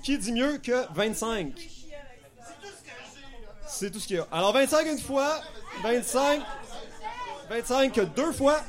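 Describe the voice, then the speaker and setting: A man with a Quebec French accent running a joking live auction, chanting bids and laughing at his own jokes. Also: very high-pitched. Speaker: auctioneer and event host.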